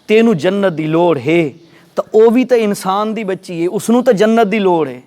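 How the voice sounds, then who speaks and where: A man's voice: high-pitched, dark tone, lightly acted. A man playing a sly coaxing devil. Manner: coaxing, persuasive. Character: sly male devil whispering temptation.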